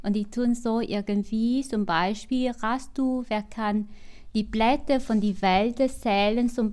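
Slow Vietnamese-accented woman recalling her past. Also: mid-range voice, darkish tone. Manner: slow, halting, non-native German with many restarts. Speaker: interviewee. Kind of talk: recounting her life story.

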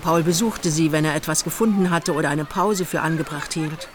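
An actress narrating a literary radio play in the third person as a storyteller. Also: female voice, low voice, fairly quick, noisy background, close to an everyday voice. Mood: measured storytelling. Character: female narrator of a young couple's holiday tale. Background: music.

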